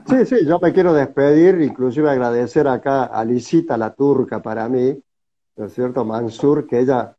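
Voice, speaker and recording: A man's voice: mid-range voice, normal speed. A man in his seventies with a Cordoba Argentine Spanish accent, telling stories casually as an interview guest on a video call. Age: 70s. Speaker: interview guest, theatre director. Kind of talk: casual storytelling conversation. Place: indoor room, video call. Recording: slightly muffled video-call audio.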